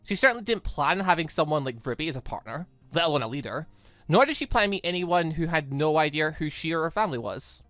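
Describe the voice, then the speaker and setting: A gaming host with a bright, forward voice in a dry, close-sounding recording. The delivery is chatty and animated, moving between casual commentary and reading game text, sometimes breaking off mid-thought. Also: mid-range voice, fast talker, dry recording, soft background music.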